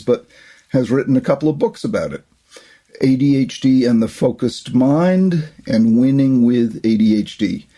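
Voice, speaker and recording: Warm-toned older male podcast host. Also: medium pitch, breathy edge. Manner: enthusiastic, effusive introductions. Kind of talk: podcast interview.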